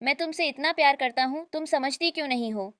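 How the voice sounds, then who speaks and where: Possessive rich husband, insistent and commanding, high voice, read by a woman narrator. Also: brisk, a bit bright, no room sound, clean studio sound.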